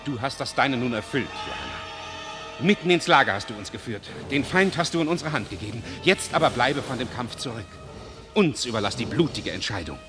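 An actor playing a noble, protective French commander in a classic radio drama, delivering stirring declamatory verse. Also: male voice, medium pitch, sing-song, fairly quick, natural voice. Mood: solemn, urging. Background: dramatic music.

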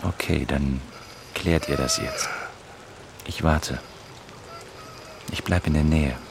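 A very low, creaky voice comes through clear rain noise: an enigmatic male stranger. He is a laconic, deadpan fatalist, blunt and unsentimental, in a naturalistic radio drama. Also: takes it slowly, exaggerated voice. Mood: calm, pointed. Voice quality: gravelly.

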